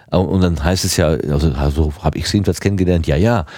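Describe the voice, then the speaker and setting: Here a man talks at a moderate pace with a very deep, low pitch. His tone is dark and mellow, with ordinary pitch variation. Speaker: podcast co-host. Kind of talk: casual chat.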